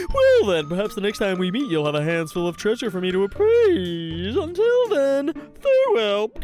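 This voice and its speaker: Clear music plays in the background while a man performs a put-on character voice. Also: moderate pace. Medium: game stream. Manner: formal, genteel.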